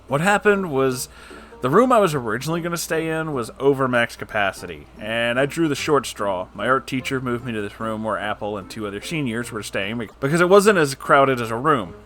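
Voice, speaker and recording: A man's voice: mid-range voice, fairly quick. Jokey man reading stories over music. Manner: animated, jokey, informal asides. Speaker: host of a story-reading channel. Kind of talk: reading online stories aloud with casual commentary.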